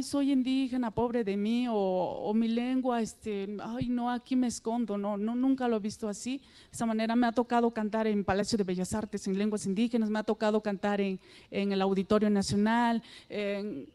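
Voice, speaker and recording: A Mexican woman whose first language is Mixtec, a singer answering interview questions softly and hesitantly with many fillers. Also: a little high, smooth. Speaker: singer guest. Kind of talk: interview answers and folk singing.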